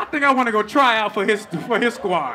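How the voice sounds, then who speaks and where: Over crowd noise, a man with a high pitch speaks in a raised, projected voice. His tone is animated and his intonation lively. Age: 30s. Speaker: stand-up comedian. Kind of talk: stand-up comedy, profane, crowd-work riffs on turning 35, church and drugs. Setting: stage with audience. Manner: animated, loud, rapid-fire, with stammering restarts and crowd-baiting swearing; comic rants with abrupt pauses, laughing at his own bits. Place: stage. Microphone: handheld.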